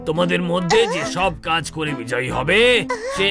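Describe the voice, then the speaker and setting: A pompous, high-pitched game-show overlord. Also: male voice, moderate pace, creaky, over music. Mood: taunting. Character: unseen bossy game-show master, mocking and menacing. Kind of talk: dubbed cartoon voice acting.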